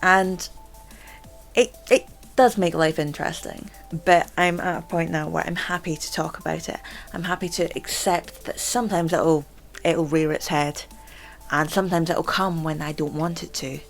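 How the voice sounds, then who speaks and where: A young woman hosting a casual vlog chat. She stammers, repeating words and filling pauses with "um" and "like". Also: low voice, fairly even intonation, vocal fry, soft background music. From Scotland. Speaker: channel host.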